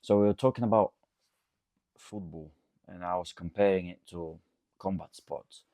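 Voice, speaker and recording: Low, creaky Bulgarian-accented man. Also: moderate pace, mellow, no room sound, clean studio sound. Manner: rambling, checks understanding with frequent "okay?". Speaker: coach and host answering audience questions. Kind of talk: casual unscripted talk to camera.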